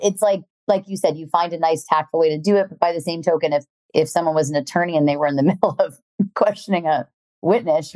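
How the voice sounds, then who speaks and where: A woman's voice: lowish voice, darkish tone, no echo. A woman hosting a podcast interview, casually agreeing with her guest and asking long, rambling questions. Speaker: podcast host.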